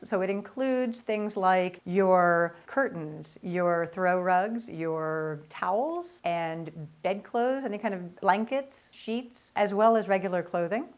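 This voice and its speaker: A woman from a local board giving an earnest, instructive public-service report on recycling, politely repeating her requests. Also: mid-range voice. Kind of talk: informational public-service talk.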